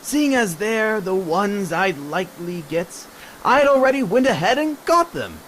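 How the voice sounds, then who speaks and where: Killer clown villain: very high, slow, mocking and menacing, radio drama, noisy background. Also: male voice, big pitch swings, full character voice. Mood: gleeful menace. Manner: taunting, sing-song, swinging from hush to shriek. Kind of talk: superhero radio drama acting.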